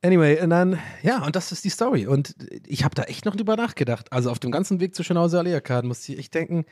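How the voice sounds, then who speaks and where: A man's voice: a little high, lively intonation, quick pace, a little mellow, no echo. A man hosting a casual solo podcast who rambles and amuses himself, often restarting his sentences into a close mic. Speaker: podcast host.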